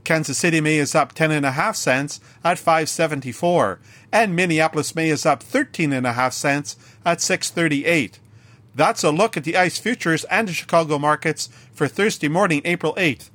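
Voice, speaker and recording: A Canadian man reading a scripted radio farm market report in a measured newsreader delivery. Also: on the high side, a bit bright, no echo.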